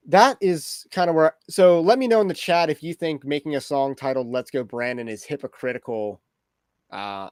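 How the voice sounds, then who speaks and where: A man hosting a casual livestream, talking through topics with wry, rambling asides. His voice sits at an ordinary middle pitch. The sound is dry and close, with no room around it. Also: smooth, dry recording. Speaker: livestream host.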